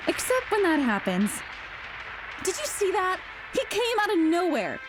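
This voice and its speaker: A woman's voice: very high voice, wildly swooping pitch, unhurried, over loud music, heavily acted, rough recording. A woman acting in an audio drama as a friendly, sheltered young gamer with a casual, wry manner. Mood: playful. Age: young adult.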